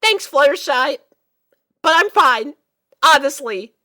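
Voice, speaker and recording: An anxious little cartoon filly, acted by a woman, with a high, bright voice that swings widely in pitch. The filly speaks in an earnest, hesitant way, like a storybook child in love, in a space with long reverb. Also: animated, slow, exaggerated voice. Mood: falsely cheerful. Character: anxious lovestruck little pony filly, young girl.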